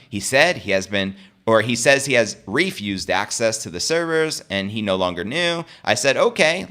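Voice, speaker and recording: A man's voice: mid-range voice, bright, forceful tone. A man hosting a cryptocurrency news show, giving informal opinionated commentary in an emphatic, slangy way. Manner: emphatic, slangy, poses rhetorical questions to listeners.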